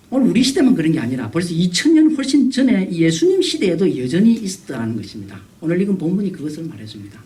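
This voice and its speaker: A man preaching a revival sermon as guest pastor, animated and acting out the voices he quotes. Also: on the high side, far from the mic, poor audio. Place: church sanctuary.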